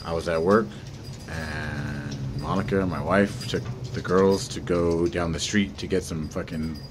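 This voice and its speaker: A man talks straight to camera in an offhand, unscripted way, cursing as he goes. His voice sits low in his range. A faint background ambience hangs under the recording. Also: fairly even intonation, a little slow, noisy background. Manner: casual, swears freely, rambles. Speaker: vlogger. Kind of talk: casual talk to camera.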